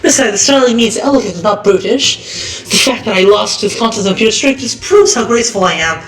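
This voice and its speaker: A man's voice: animated, a little fast, fairly bright tone. A man doing a haughty elegant young woman. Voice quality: strained falsetto. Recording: roomy distant mic, music behind.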